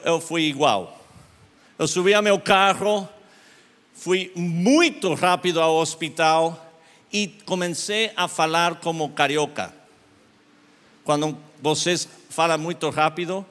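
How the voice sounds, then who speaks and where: A man with an English-speaking accent preaching a sermon with storytelling, slow and emphatic, rising sharply when excited. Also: fairly high pitch. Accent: English-speaking, with Spanish mixed into his Portuguese. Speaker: guest preacher. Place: church hall. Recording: long church-hall reverb.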